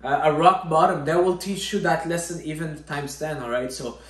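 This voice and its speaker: Speaking to camera in a motivational vein, this fitness vlogger and natural bodybuilder from Syria comes across as earnest and keeps saying "all right?" His fairly high voice is a bit bright, with a steady tone and moderate pace, in a room with noticeable echo.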